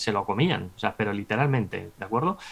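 This is a man talking with ordinary pitch variation. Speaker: guest. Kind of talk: informal interview explanation. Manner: fluent, explanatory. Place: home room. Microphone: video call.

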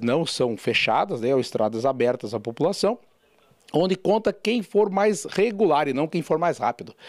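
A man talks at a fairly quick pace with very wide pitch swings. The sound is dry with no echo, over a quiet background. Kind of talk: interview answer. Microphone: handheld.

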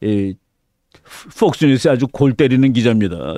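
In a dry recording with no echo, a man speaks at a medium pitch in a dark, mellow tone. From South Korea. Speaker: international politics commentator; political commentator. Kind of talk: lecture. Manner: formal; halting. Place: studio. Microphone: studio mic.

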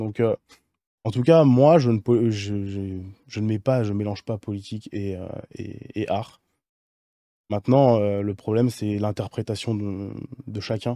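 A man talks at a fairly slow pace with long, frequent pauses, his fairly low voice dark and mellow in tone and his intonation fairly even. The sound is dry with no echo, against a quiet background. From France, Paris. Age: 30s. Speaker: sculptor and communication business owner; podcast guest. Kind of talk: casual chat. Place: studio. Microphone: studio mic.

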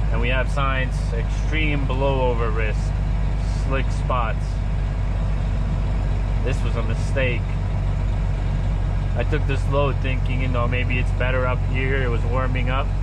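Against loud background noise, a man talks at a fairly slow pace with long, frequent pauses, in a dry sound with no echo. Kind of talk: casual vlog chat. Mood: stressed, frustrated. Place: car. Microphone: camera far.

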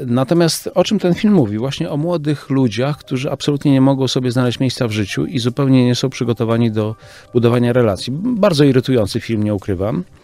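A man at a very fast pace with hardly any pauses, music playing in the background. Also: medium pitch for a man, lively intonation. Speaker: radio host. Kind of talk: radio talk show. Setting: radio studio. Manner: formal, polite.

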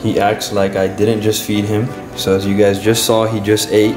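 Over clear background music, a man talks at a moderate pace in a fairly low, monotone, flat voice. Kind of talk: casual vlog chat. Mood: playful, affectionate. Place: kitchen. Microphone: phone near.

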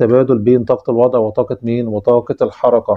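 Here is a man talking. He speaks with an Egyptian accent. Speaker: science teacher. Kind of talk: lecture.

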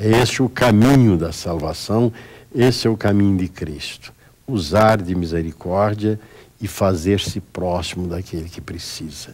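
A man with a very deep, low voice speaks with ordinary pitch variation and big swings in loudness. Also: fairly slow pace. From Brazil. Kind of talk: homily. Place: studio.

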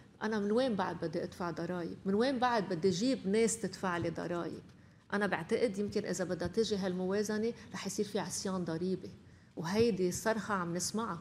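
A woman speaks with a somewhat breathy voice and ordinary pitch variation. Light background noise can be heard. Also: moderate pace. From Lebanon. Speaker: member of parliament; guest. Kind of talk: televised political debate. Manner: animated. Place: studio. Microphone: studio mic.

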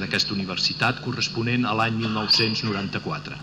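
Speaking at a medium pitch, a man is heard against noticeable background noise. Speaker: university secretary reading report. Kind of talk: reading aloud formal report. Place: hall. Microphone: podium.

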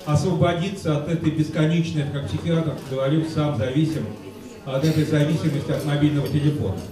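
A man with a fairly high pitch talks at a fairly quick pace and with fairly even intonation. Room echo is audible, along with noticeable background noise. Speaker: charity event host and auctioneer. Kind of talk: live charity event hosting with auction. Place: bar.

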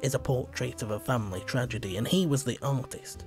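A man's medium-pitched voice at a moderate pace with ordinary pitch variation, music in the background. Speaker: blind poet. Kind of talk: spoken word poetry performance.

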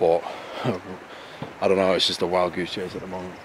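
A man speaks very fast in a very deep, low voice. The sound is dry with no echo, and background noise is noticeable. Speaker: paranormal explorer vlogger. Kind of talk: casual vlog commentary. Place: open country. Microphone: phone near.

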